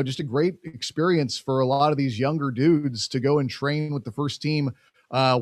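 A young man chatting casually about soccer on a podcast. His voice sits a little high and sounds dry and close to the mic. He talks in an animated way, full of fillers, and acts out quoted exchanges. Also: no room sound. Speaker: podcast co-host covering soccer. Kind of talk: casual sports chat.

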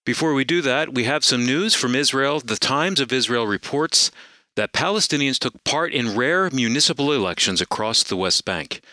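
A man co-hosting a Christian radio program, reading welcomes and news in a smooth, measured announcer style. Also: mid-range voice, expressive, bright, forceful tone, no echo.

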